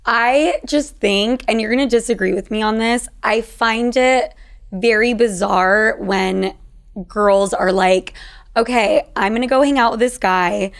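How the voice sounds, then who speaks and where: A woman of about thirty hosts a podcast in a frank, crude chat. Her voice sits a bit high, with a gravelly, fried edge, and she fires back quick reactions and laughs often. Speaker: podcast host. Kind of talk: casual chat.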